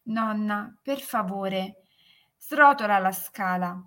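A woman voicing a young girl who longs to dance, pleading in a raised, bright voice. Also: medium pitch, slow.

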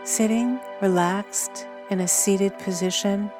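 Slow, soothing woman guiding meditation. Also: medium pitch, steady tone, music in the background. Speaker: meditation guide. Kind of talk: guided meditation.

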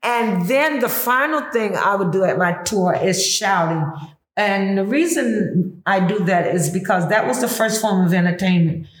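A woman's voice: mid-range voice, expressive, normal speed, roomy sound, poor audio. A woman whose first language is Gullah, with a Southern Black Gullah Geechee accent, explaining things instructively as a tour guide in conversation. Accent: Gullah Geechee, Southern Black American. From Gullah Geechee community of Pinpoint, coastal southern US. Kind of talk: explanatory interview talk.

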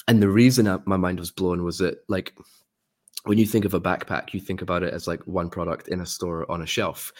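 A man's voice: deep voice, fairly even intonation, brisk. A man from Scotland, a guest in a casual interview, explaining things in friendly, upbeat lists. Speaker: guest, sourcing expert.

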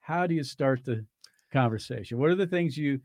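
A man hosting a talk show, with a chatty, conversational manner and a voice of middling pitch. He laughs easily and drops into soft, quiet asides. The sound is dry, with a close mic. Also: animated, brisk, dry recording. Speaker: radio talk show host. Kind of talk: conversational interview.

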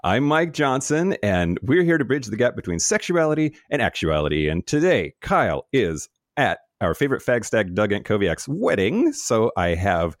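A man's voice: on the low side, very animated, normal speed, hardly any pauses, no room sound, studio quality. A man hosting a podcast in a casual, upbeat, enthusiastic way. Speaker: podcast host.

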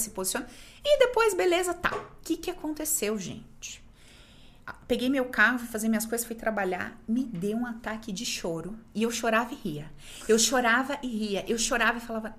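Lively fast-talking Brazilian woman host. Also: fairly high pitch. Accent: Brazilian Portuguese. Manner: expressive, emphatic storytelling. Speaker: podcast host. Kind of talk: casual chat.

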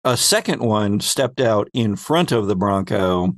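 A man's voice: fairly low pitch, lively intonation, a little slow, dry recording. Man running a tabletop game, close dry sound. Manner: conversational, explains by addressing players as their characters. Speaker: game master and host. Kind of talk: improvised narration of a tabletop roleplaying game.

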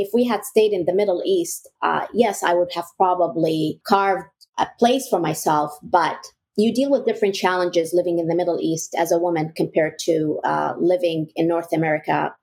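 A young adult woman from Egypt, a real estate broker talking casually as an interview guest, warm and quick to laugh. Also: lowish voice, breathy edge.

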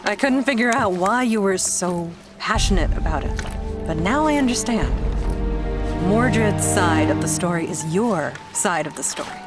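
A woman playing an earnest, sharp-witted journalist adventurer, direct and probing, in an action-adventure drama. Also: medium pitch, expressive, moderate pace, lightly acted. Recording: loud music behind the voice. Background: loud music.

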